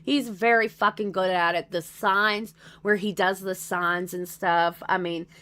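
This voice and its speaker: A woman's voice: mid-range voice, sharp tone. A woman with a Texan drawl hosting a livestream, chatting casually and rambling with lots of swearing. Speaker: streamer host.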